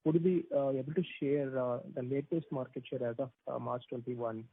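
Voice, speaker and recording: A man's voice: mid-range voice, fairly even intonation, fairly quick, slightly rough. A man, a financial analyst asking polite, deferential questions on a conference call, with many fillers. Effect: conference call phone line. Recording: tinny phone line.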